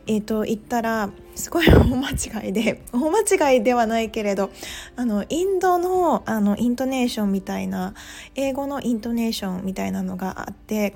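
A fairly high-voiced woman from Japan talks through her own podcast in a loose, chatty way. She fills her sentences with small hesitations and laughs at herself as she goes. Soft music plays faintly behind her. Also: creaky. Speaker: pharmacist and podcast host. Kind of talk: casual monologue.

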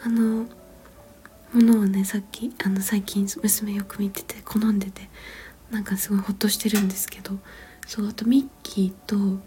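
A mother in her thirties whispering a long, rambling story, gentle and full of small fillers and soft laughs. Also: medium pitch, level tone, normal speed.

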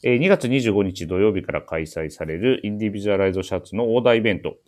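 A man's voice: on the low side, very fast, very noisy. A man hosting a casual talk show, chatting and announcing events with a dry, teasing manner. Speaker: radio show host.

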